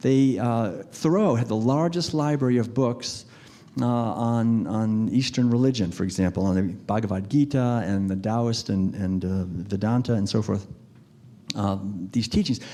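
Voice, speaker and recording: A man with an American accent speaks at a medium pitch with ordinary pitch variation. Audible room echo surrounds his voice. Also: moderate pace. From New England, Massachusetts (Concord). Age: 60s. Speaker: guest speaker and pianist. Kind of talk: sermon. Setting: church. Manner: halting, many false starts.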